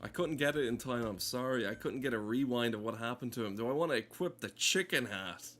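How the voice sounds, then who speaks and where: A man's voice: mid-range voice, fairly quick, fairly bright tone. A man streaming a game with casual, rambling commentary, sardonic and given to swearing.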